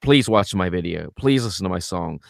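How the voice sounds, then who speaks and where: On a casual podcast, a man who works as a vocal coach talks fairly fast with some vocal fry, mimicking his students' complaints in a raised, higher voice. He comes across as animated. The sound is dry and clean, as from a studio.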